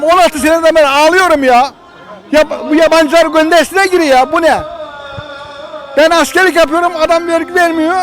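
A man's voice: extremely high pitch, a bit bright, low-quality recording. A man in his sixties in a street interview, complaining in an aggrieved, repetitive, exclamatory way. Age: 60s. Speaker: passerby interviewee.

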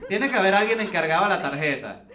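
A man's voice: high-pitched, expressive, quick pace, pushed and bright, far from the mic. A man in his forties with a Venezuelan accent doing crowd-work stand-up comedy, teasing audience members in playful banter. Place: theater stage. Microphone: handheld microphone. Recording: roomy stage sound, audience noise.

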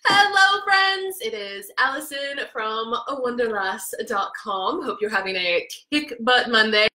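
A woman in her thirties hosting a live podcast from a small home office, talking in a hyper, excitable, naturally loud way. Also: fairly high pitch, measured pace, reverberant. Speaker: podcast host. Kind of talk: energetic live video podcast. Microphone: studio mic with headphones.

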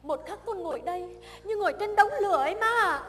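A woman's voice: sits high, lively intonation, moderate pace. An anguished young mother. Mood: determined. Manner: pleading, emotional. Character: young new mother, devoted revolutionary, anguished. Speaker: stage actor. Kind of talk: stage drama acting. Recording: stage recording with long reverb and music.

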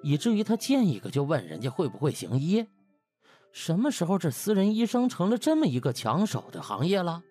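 Animated male storyteller with a husky edge. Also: a little high, brisk. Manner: colloquial, theatrical, with exclamations. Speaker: audiobook narrator. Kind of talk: animated comic storytelling narration. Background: music.

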